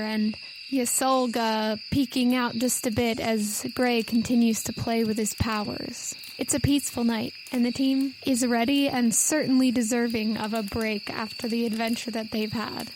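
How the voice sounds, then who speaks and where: A woman hosting a tabletop game podcast as game master, expressive and enthusiastic in her delivery. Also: a little high, noisy background. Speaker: game master and show host. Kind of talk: announcements and storytelling narration for a tabletop game podcast. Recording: music behind the voice.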